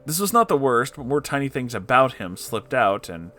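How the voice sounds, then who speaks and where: A man narrating an online story aloud in a dramatic, expressive way, with candid and sweary interjections. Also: mid-range voice, moderate pace.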